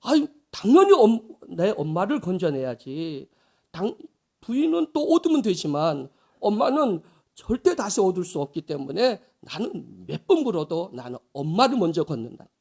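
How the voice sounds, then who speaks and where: A stubborn, literal-minded husband answers bluntly, as a male preacher puts him on. The tone is matter-of-fact and high, close to the preacher's own voice. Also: very animated, moderate pace, vocal fry, a little mellow, heavily acted.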